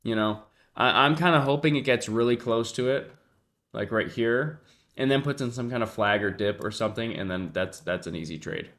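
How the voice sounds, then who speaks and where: A man's voice: mid-range voice, moderate pace, a bit bright. A man with a congested nose talks casually on his live stream. He thinks aloud, talks to his chat and often trails off. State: congested, sniffling. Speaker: livestream trader. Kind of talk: casual livestream commentary.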